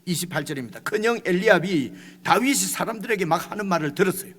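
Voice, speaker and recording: A man's voice: sits high, expressive, fast talker, a bit bright, in a large hall. A male pastor preaching a midweek sermon in a conversational way, often asking the congregation "right?" and acting out quoted lines. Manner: acts out quoted lines with rising intensity. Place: church sanctuary.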